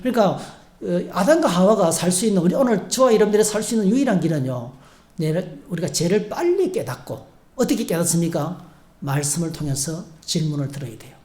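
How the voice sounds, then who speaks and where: Korean pastor guy preaching, warm dark voice, echoey church hall, acts out little prayers. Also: high-pitched, very animated, fairly quick. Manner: preaching with acted prayers and call-and-response. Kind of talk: sermon. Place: church sanctuary.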